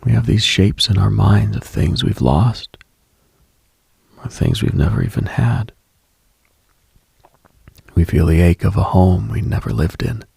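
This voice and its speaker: A man with a deep, gravelly, husky late-night radio voice delivers an intimate, ASMR-like mystical monologue with no echo. He speaks in a hushed, unhurried, contemplative way, addressing the listener directly.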